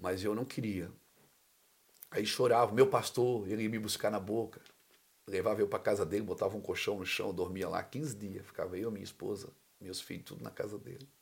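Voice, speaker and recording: A man speaks at a moderate pace in a fairly low, somewhat breathy voice. His loudness swings a lot while his pitch varies in an ordinary way. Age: 50s. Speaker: pastor. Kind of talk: casual chat.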